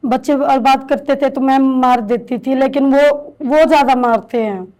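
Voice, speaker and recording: A woman in her thirties slowly recounting her own story with halting restarts, as an interviewee in a shelter home. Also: high-pitched, fairly even intonation, darkish tone. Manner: halting, slow, hesitant with restarts. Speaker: interviewee, domestic violence survivor. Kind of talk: emotional personal testimony.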